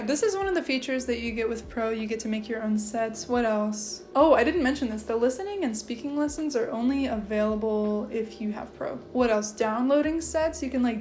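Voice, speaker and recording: A chatty young woman in her twenties talks straight to the camera from her living room, her voice sitting a little high. She is animated and excitable, with lots of filler words. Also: slight background noise. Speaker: language-learning vlogger. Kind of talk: casual chat to camera.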